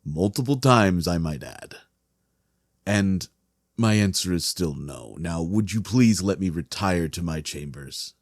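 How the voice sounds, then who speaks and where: A man's voice: deep voice, expressive, measured pace, no room sound, studio quality, full character voice. A man playing a weary, dismissive king with courtly, firm manners in a fantasy audio drama. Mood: weary, exasperated.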